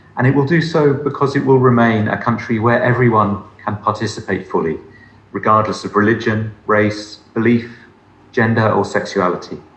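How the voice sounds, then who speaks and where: A man talks at a moderate pace, his medium pitch showing ordinary pitch variation. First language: English (speaking Indonesian). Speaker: ambassador. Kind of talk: formal speech. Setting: webinar. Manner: formal; hesitant with fillers.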